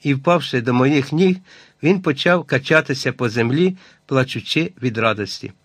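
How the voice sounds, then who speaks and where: A man reading a first-person adventure novel aloud as scripted audiobook narration, measured and even. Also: medium pitch, dry recording, studio quality.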